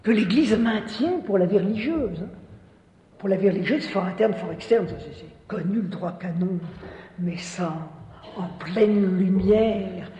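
A man's voice: high voice, unhurried, dark tone. Man, preacher, earnest spiritual teaching, repeats himself, roomy long-reverb hall. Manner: earnest, repeats words, frequent "hein" asides.

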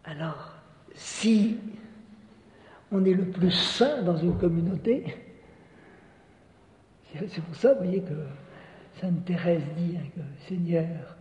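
A preacher with a fairly high, slightly mellow male voice delivers a spiritual teaching talk in earnest. He often repeats words and drops in little "hein" asides, and the sound carries the echo of a reverberant hall.

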